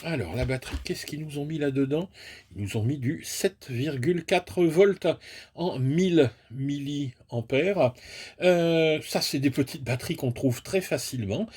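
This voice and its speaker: Husky-voiced man reviewing a toy car. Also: a little high, a little slow, a little mellow. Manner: chatty, self-mocking, explains step by step. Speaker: toy and hobby product reviewer. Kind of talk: casual unboxing review.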